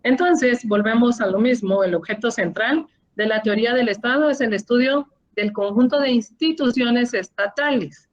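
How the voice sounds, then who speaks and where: A woman with a Guatemalan accent, a law lecturer explaining course material and often adding questioning tags. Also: on the high side. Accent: Guatemalan Spanish. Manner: explanatory, frequent tag questions and fillers. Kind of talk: online class lecture. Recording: dull lo-fi audio.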